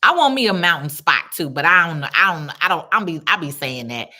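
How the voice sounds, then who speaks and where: A Chicago woman with a Chicago accent hosts a casual phone livestream, answering comments in blunt, slangy, animated talk and calling viewers "baby." Her voice is low-pitched and brisk.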